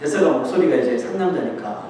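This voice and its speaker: High-voiced pastor in an echoey hall. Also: male voice, fast talker. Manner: animated storytelling, acting out quoted voices with laughs. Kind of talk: sermon. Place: church sanctuary. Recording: echoey church hall, distant mic, faint noise.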